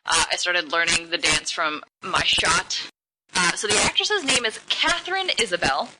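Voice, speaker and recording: A woman co-hosting a podcast, chatting casually and rambling in quick bursts. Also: lowish voice, lively intonation, heavy background noise. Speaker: podcast co-host. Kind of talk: casual chat.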